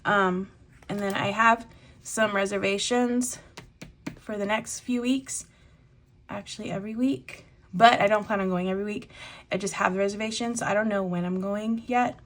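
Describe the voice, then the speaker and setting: Chatty congested woman budgeting out loud. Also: mid-range voice, fairly even intonation, moderate pace. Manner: chatty, thinks aloud with many fillers. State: congested with a lingering cough. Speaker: budgeting vlogger. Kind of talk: casual voice-over while cash stuffing.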